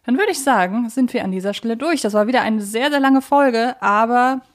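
A woman's voice: fairly high pitch, a little fast. Woman hosting a conversational podcast. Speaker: podcast host.

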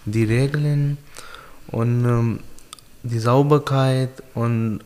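A young Pakistani man, a native speaker of Urdu, uses simple learner's German to answer interview questions, halting with many pauses. His mid-range voice is steady, a little mellow, and clean, sounding as if in a large hall.

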